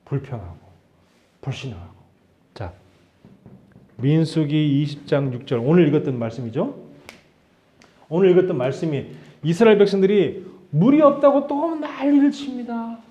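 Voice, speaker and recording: A man's voice: on the high side, dark tone, dull audio. A man preaching a sermon as pastor, in a conversational style that acts out the quotes he tells. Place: church sanctuary.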